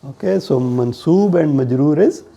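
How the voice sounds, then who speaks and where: Male teacher, South Asian accent. Unhurried, deliberate classroom explanation, soft-edged timbre with some creak. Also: fairly high pitch, animated. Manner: deliberate, explanatory, checking questions. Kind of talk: classroom lesson on Arabic grammar.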